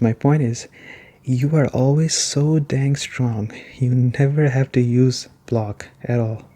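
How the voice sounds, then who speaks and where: A man giving a soft-spoken ASMR gaming review, talking conversationally and repeating his points for emphasis. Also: medium pitch. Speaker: game reviewer.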